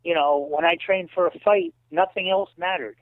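A man in his late fifties, a guest in a casual interview, telling animated stories and often saying "you know". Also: high voice, moderate pace, dry recording. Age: 50s. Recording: tinny dry phone line.

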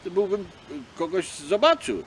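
A man's voice: sits high, very animated, measured pace, a little hiss or hum, pitched above the performer's own voice, full character voice. A man voicing a small, clever male fox who chuckles cheekily and talks boldly. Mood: doubtful.

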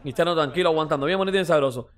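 A man hosting a football reaction video, rambling and mocking in a slangy, excited way. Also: on the high side, very fast. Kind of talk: excited casual reaction commentary.

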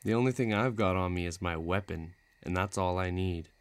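A man's voice: sits low, a little fast, clear, resonant tone, no echo, close to an everyday voice. A man playing a menacing, bloodthirsty villain who taunts and threatens in an audio roleplay. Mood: taunting, eager. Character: menacing bloodthirsty male villain craving a duel.

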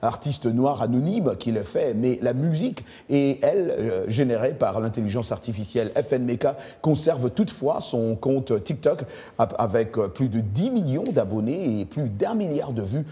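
A male news presenter in a TV studio, reading a story and adding relaxed, chatty remarks. His voice is dark and mellow at a middle pitch. A long reverb trails behind him. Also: moderate pace. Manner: chatty, uses fillers like "hein". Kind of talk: news reading with casual asides.

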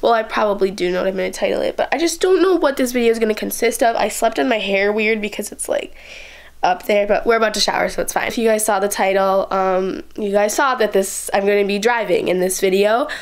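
A woman's voice: mid-range voice, fast talker. Rambling teenage girl vlogger with a cold. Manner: rambling, heavy use of "like". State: sick with a cold and sore throat. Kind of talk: casual chatty vlog. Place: bedroom indoors. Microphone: camera mic close in front of speaker.

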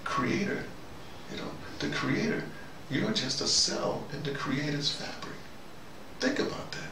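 A man's voice: fairly high pitch, lively intonation, unhurried. An older man giving a rambling, conversational monologue to camera, digressing and putting questions to himself as he muses. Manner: digressive, musing, often asks himself questions. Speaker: video diarist delivering an opinion monologue. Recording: roomy, distant mic, noisy ambient background.

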